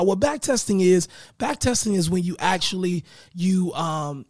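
A man hosting his own podcast in a casual motivational style, with a raspy voice that is giving out, often checking in with his listeners. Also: sits high, no echo, clean studio sound. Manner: energetic, hyped greetings, repeats "right?". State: losing his voice. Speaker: podcast host.

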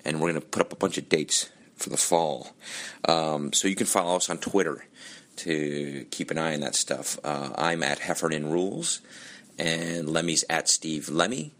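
A man's voice: rumbling low, normal speed, a bit bright. A man hosting a podcast in a casual, rambling way with lots of fillers, his voice nearly gone from touring. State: losing his voice. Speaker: podcast host. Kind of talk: casual podcast intro and plugs.

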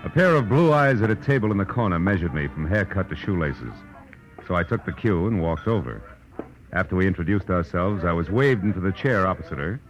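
Low, deadpan hard-boiled radio detective. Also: male voice, a little fast. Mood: wry narration. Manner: terse, wry, deadpan. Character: hard-boiled, world-weary male private detective. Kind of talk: 1940s radio acting, first-person noir narration. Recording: dull old radio recording with music.

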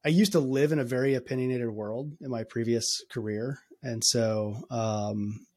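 A man of middle pitch speaks as a podcast guest. He sounds keen, yet he often breaks off and restarts his sentences. His pauses are filled with hesitations as he works toward his point. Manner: halting, many restarts and fillers, energetic. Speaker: podcast guest, company founder. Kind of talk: conversational podcast interview.

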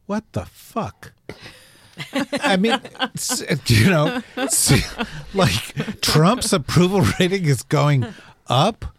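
A man's voice: sits high, sing-song, breathy edge, no echo. Wry New Jersey man hosting. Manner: wry, joking, halting with fillers. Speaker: podcast host. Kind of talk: casual panel chat.

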